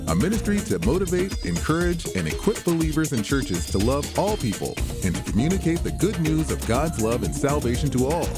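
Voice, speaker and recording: A man gives a scripted radio program intro in a smooth announcer's manner. His pitch rises and falls freely from phrase to phrase. A loud music bed plays under his voice the whole time.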